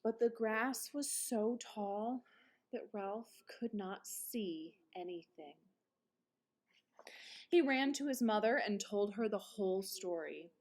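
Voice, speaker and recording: A woman reading a children's picture book aloud like a teacher, with dramatic emphasis and quieter explanatory asides. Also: mid-range voice. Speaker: read-aloud presenter, teacher. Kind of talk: expressive children's storybook narration with explanatory asides.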